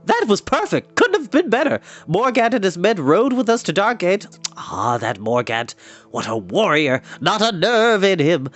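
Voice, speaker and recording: A man voicing an excitable, boastful wandering bard who talks in a breathless rush. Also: high voice, moderate pace, faint music behind, voice pushed up. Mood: excited.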